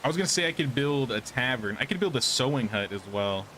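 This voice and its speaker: Man of medium pitch for a laid-back stream host who chats with viewers while he plays. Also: expressive, fast, bright, forceful tone, a little hiss or hum. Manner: thinks aloud, changes his mind, answers chat. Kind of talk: casual live gameplay commentary.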